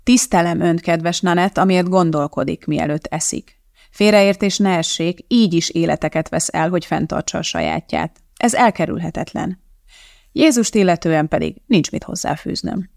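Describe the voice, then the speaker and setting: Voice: mid-range voice, creaky, darkish tone, no echo, clean studio sound, natural voice. A narrator voicing a precise, unflappable woman who hosts a TV cooking show, explaining in a matter-of-fact, scientific way. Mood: calm instructive.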